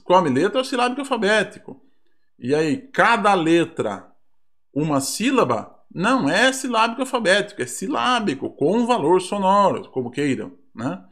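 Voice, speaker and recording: Brazilian guy going over a practice test, voice bouncing up and down, tossing in sarcastic little jokes. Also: fairly high pitch. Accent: Brazilian Portuguese. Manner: lively, ironic asides while reading questions aloud. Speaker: teacher reviewing a mock exam. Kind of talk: online exam review lesson.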